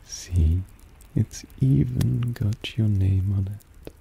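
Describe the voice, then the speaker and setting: Man acting possessive male vampire, deep creaky voice, breathy half-whispers, teasing dominance, intimate ASMR roleplay, close mic. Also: mellow, heavily acted. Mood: teasing, doting. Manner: slow, teasing, coaxing. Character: possessive, softly dominant male vampire doting on his pet.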